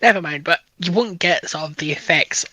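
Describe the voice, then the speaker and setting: A man's voice: a little high, a little fast, sharp tone. A man taking part in a casual live discussion, putting thoughts and questions to the host.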